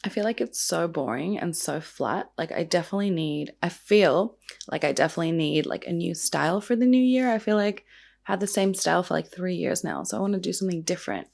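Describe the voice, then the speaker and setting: A young woman hosting a true crime and makeup vlog. She talks in a casual, chatty way with lots of "like" fillers, and her voice is croaky from the early morning. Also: lowish voice, expressive, brisk, a little mellow.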